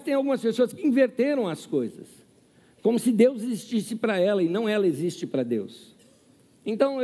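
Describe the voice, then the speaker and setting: A male pastor preaches in a high, animated voice that swings widely in pitch, asking the room questions and acting out what people say. His tone is mellow and a little husky. Long reverb from the church hall trails behind every phrase. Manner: lively preaching with rhetorical questions and acted quotes. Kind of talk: sermon.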